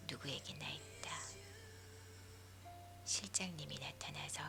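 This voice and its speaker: A woman leaning in to whisper a story for sleep in a hushed, breathy ASMR narration. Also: deep voice. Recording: music behind the voice. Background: music.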